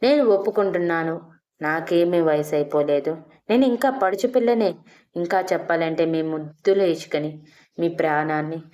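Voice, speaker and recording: A woman's voice: on the low side, moderate pace, a little mellow, natural voice. A woman voicing a playful older wife in an audio story, teasing her husband and then coaxing him. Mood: pleading. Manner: teasing, pleading.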